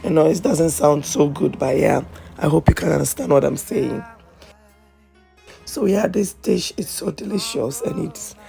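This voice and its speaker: A woman hosting a cooking video, chatty and hoarse from a flu, often checking in with "okay?". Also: sits low, a little slow, warm tone, faint music behind. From Ghana. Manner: chatty, repeats phrases, asks "okay?" often. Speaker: cooking channel host. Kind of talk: casual cooking tutorial.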